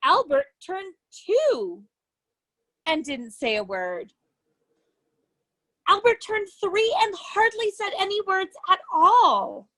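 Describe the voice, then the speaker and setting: A woman with a high voice reads a picture book to young children. Her delivery is very animated, rising and falling widely in pitch. She phrases each sentence deliberately and leans on the key words like an educator telling a story. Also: low-quality recording. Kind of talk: children's storybook read-aloud.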